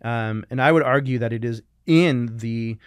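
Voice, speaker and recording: A man's voice: mid-range voice, moderate pace, smooth, dry recording, studio quality. A man co-hosting a podcast as a recovery coach, talking reflectively in a conversational Christian teaching style.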